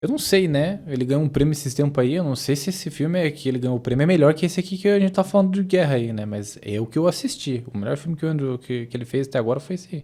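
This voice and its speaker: With a São Paulo accent, a man speaks at a very fast pace with hardly any pauses, a fairly high pitch and lively intonation. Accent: Brazilian Portuguese, São Paulo. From Brazil, São Paulo. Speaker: YouTuber reacting to videos. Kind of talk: reaction video commentary. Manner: animated, casual.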